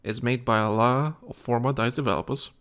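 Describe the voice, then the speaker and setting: A man's voice: mid-range voice, fairly even intonation, fairly quick, fairly bright tone, clean tone. A tired man co-hosting a casual gaming chat show, rambling with many restarts and fillers. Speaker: podcast co-host.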